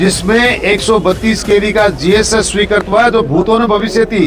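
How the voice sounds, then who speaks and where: Noticeable background noise sits behind a man's voice. He speaks at a high pitch with ordinary pitch variation. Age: 60s. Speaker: former state legislator, politician. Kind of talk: interview.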